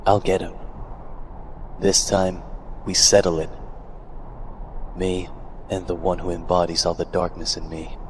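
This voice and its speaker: A man's voice: sits low, flat delivery, measured pace, long pauses, a little hiss or hum, rough recording. A man voicing a brooding, withdrawn young swordsman with terse, guarded delivery in a game fan dub. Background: music.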